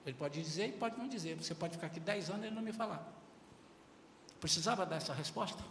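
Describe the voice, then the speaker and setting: A man preaching a sermon as pastor, emphatic and animated. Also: sits high, fast, a little hiss or hum. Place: church. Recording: echoey church hall.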